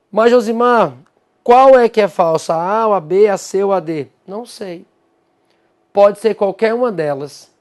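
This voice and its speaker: Male teacher, Brazilian Portuguese accent, highish voice, emphatic step-by-step lecturing with self-answered rhetorical questions. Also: darkish tone. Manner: answers his own rhetorical questions to an imagined student. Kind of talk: recorded exam-prep lecture.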